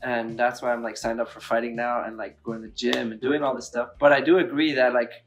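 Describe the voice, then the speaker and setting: A man's voice: medium pitch, level tone, brisk, music in the background. A man in his late thirties hosting an interview, enthusiastic and chatty, filling his speech with "like". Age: 30s. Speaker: podcast host. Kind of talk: casual interview talk.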